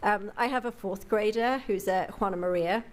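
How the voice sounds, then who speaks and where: A woman's voice: mid-range voice, moderate pace. A woman with a British accent, a parent, giving a grateful, chatty public comment at a school board meeting. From Britain. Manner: warm, grateful, chatty with fillers.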